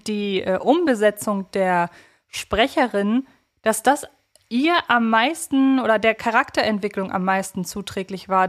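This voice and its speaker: A woman with a medium-pitched voice co-hosts a casual podcast. She analyses things reflectively and articulately, working through her thoughts as she speaks. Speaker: podcast co-host.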